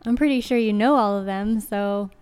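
A woman's voice: medium pitch, normal speed, a little mellow, clean tone, soft background music. A woman chatting casually and playfully as a podcast host, her S sounds whistling from a speech impediment. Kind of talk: casual chat.

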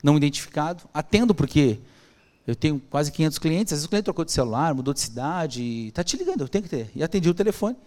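A man with a Brazilian Portuguese accent telling a personal story as a podcast guest, acting out the dialogue in an animated way. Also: a little high, quick pace. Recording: long hall reverb.

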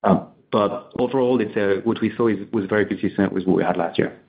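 A man speaking as a company executive, explaining things conversationally but haltingly on an earnings call. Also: on the low side, gravelly, slightly rough. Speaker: company executive answering analysts. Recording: tinny phone-like conference line.

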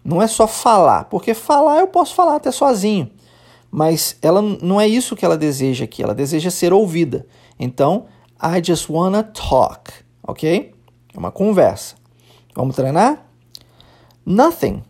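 A man's voice: high voice, sing-song, normal speed, darkish tone. A man with a Brazilian Portuguese accent, teaching English on a lesson podcast, explaining patiently and drilling phrases aloud.

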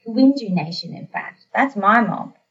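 A woman's voice: mid-range voice, animated, moderate pace, recorded from a distance, highs cut off, natural voice. A woman voicing a laid-back Aboriginal Australian man who talks in a blunt, kindly, matey way for an audio story. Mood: matter-of-fact, proud.

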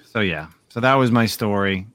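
A man hosting a comic book podcast, telling a story in a casual, animated way. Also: on the low side, moderate pace, dry recording. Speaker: podcast host. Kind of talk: casual chat.

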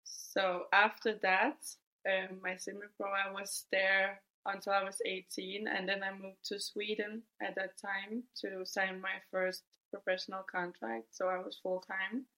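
A woman in her twenties from Denmark, telling her story as a guest in a podcast interview, relaxed and thoughtful. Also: mid-range voice, unhurried, few pauses. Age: 20s. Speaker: guest footballer.

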